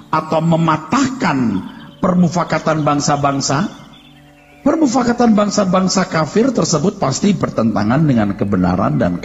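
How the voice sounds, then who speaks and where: A man preaching a sermon as a pastor, animated and scolding. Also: fairly low pitch, vocal fry. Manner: animated, exclaiming and scolding, mixing in English words. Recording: dull sound with long hall reverb.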